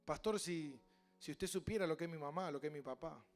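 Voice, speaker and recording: A man with an Argentine Spanish accent, a pastor preaching a sermon with passion, mimicking voices and building to loud cries. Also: a little high, fairly quick, faint music behind.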